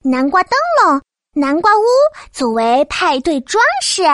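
A woman voicing a clever, lively little frog in a children's audio story. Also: high-pitched, measured pace, no echo, clean studio sound. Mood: excited.

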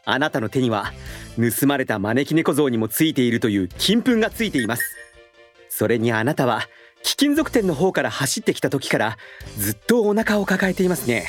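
A man plays a calm, sharp police inspector in a storybook drama. His voice is mid-pitched, with a swinging, expressive melody. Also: moderate pace, faint music behind, natural voice. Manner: composed, lively intonation.

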